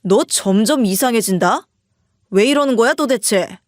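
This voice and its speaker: A defensive storybook husband, curt and dismissive, voiced by a woman. The voice stays fairly high and close-miked. It sounds dry, with no room around it. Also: moderate pace, dry recording, close to an everyday voice. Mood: irritated. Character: irritated defensive husband, adult man.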